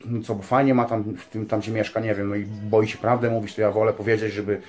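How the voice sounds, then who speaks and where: A man's voice: lowish voice, flat delivery, fast talker, a little mellow. A man speaking earnestly in a casual spiritual monologue, rambling with many fillers and tag questions and calling his listeners dear ones. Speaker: religious vlogger.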